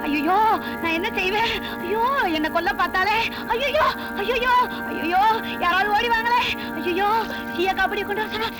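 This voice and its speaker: Shrill, bossy village woman. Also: rough recording. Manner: wailing, scolding, theatrical. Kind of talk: 1980s Tamil film acting.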